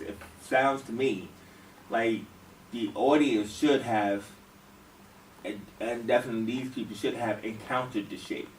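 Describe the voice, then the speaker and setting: A man leading a workshop, giving informal feedback in an explanatory way and often checking that others agree. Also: mid-range voice. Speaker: workshop leader. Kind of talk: informal group feedback discussion. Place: echoey room, recorded from a distance. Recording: roomy, distant mic, faint noise.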